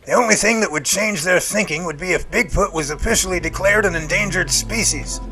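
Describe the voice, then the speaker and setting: A man's voice: sits high, a little fast, over music, natural voice, rough recording. A man playing an earnest, resolute researcher, speaking in an emphatic, folksy, preachy way in an audio drama. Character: earnest, resolute Bigfoot researcher speechifying against hunters.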